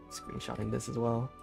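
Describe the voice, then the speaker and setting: A man's voice: mid-range voice, creaky. A man giving casual live commentary as a game streamer.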